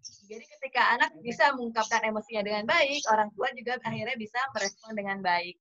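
Woman expert for a parenting class: slightly high, bright voice, patient and methodical, heard through a video call. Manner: measured, explains with lists of examples. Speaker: child development practitioner. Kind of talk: explaining to parents. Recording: dull video-call audio.

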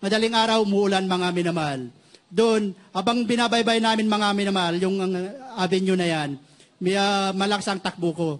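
A man with a strikingly high voice gives a church testimony in a halting way, restarting words and pausing to address his listeners fondly. He is middle-aged and from the Philippines. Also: steady tone. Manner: halting, repeats "mga minamahal" constantly, many restarts. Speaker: church member giving testimony.

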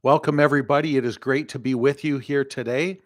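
A man's voice: medium pitch, fairly even intonation, fairly quick, no echo, studio quality. An older man hosting a podcast over a video call from his home office, chatty and upbeat, laughing easily. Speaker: podcast host. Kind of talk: casual podcast chat. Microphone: studio mic on arm, video call.

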